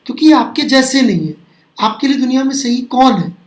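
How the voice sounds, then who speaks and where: A man's voice: extremely high pitch, animated, a little fast. A man teaching physics, mixing Hindi with Indian-accented English, asking and answering his own questions. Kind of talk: classroom lecture. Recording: echoey classroom.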